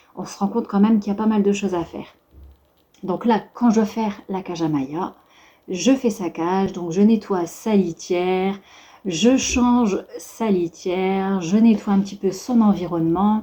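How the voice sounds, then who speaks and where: The tone is dark and mellow, with big swings in loudness. The pace is fairly slow, with ordinary pitch variation. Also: woman, medium pitch for a woman. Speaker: home cleaning vlogger. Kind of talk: casual tutorial to camera. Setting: living room at home, in front of sofa. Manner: soft-spoken, quiet so as not to wake husband; hesitant, many fillers.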